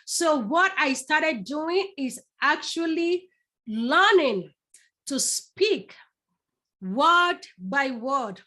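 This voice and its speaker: A middle-aged woman from Nigeria with a Yoruba accent leads a public speaking masterclass, talking straight to her audience. Her voice sits high, and she stresses her points by repeating words several times over. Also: animated, drawn-out words, bright, forceful tone. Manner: repeats words for emphasis, addresses the audience directly. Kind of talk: live online masterclass.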